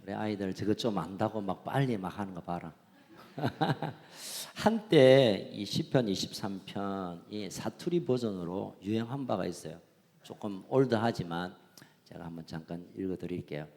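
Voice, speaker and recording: A man's voice: on the low side, lively intonation, normal speed, darkish tone. A man in his fifties, a pastor, preaching with playful humor and frequent chuckles. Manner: jokey, playful, chuckling often. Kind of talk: sermon with humorous dialect reading. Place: church sanctuary. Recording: church hall reverb.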